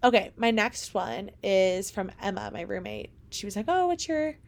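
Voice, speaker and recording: A young adult woman hosting a casual podcast monologue, animated and chatty, with lots of "like" fillers and rhetorical questions. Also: medium pitch, normal speed, vocal fry. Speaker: podcast host.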